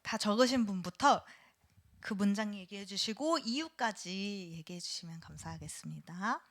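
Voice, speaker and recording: A woman's voice: medium pitch, normal speed. A middle-aged woman lecturing in a church classroom, asking the class questions and sometimes dropping to a whisper. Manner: animated, asks the class questions, drops to a whisper at times. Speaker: seminary lecturer.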